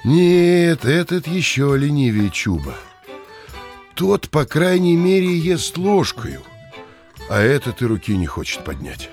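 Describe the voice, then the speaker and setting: Timid, swooping young village blacksmith. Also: male voice, a little high, sing-song, darkish tone, soft background music, full character voice. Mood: bemused, musing. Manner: halting, deferential, coaxing. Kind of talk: audio play acting.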